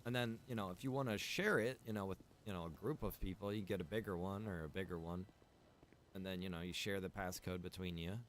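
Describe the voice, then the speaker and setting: A man's voice: low-pitched, fairly quick, a little hiss or hum. A man giving casual, rambling live commentary as he plays a game, muttering to himself. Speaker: game streamer.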